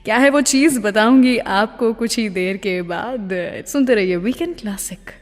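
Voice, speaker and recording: A woman's voice: on the high side, normal speed, long reverb tail. A woman hosting a radio show in a conversational storytelling style, mixing English phrases into her Hindi. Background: music playing under the voice.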